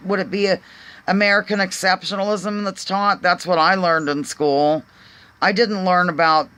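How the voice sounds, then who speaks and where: A woman's voice: lowish voice, a bit bright, slight background noise, poor audio. A woman with a Pennsylvania accent hosting her own vlog, talking casually to viewers in a rambling, hesitant way full of ums and restarts. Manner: earnest, questioning. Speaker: vlog host. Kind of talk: casual musing monologue to viewers.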